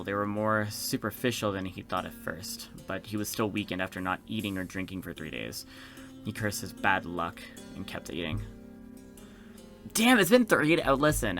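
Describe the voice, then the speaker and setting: A man's voice: fairly low pitch, vocal fry, a bit bright. A man in his twenties reading visual novel narration aloud as a let's play host, breaking into casual, sweary reactions. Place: small room indoors with gaming setup. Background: game music.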